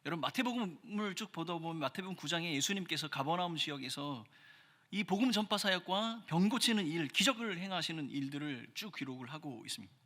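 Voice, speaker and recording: A man's voice: a little high, expressive, fast talker. Earnest male pastor preaching in a hall. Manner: earnest preaching, rising emphasis then dropping softly. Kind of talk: sermon. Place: church sanctuary. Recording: church hall reverb.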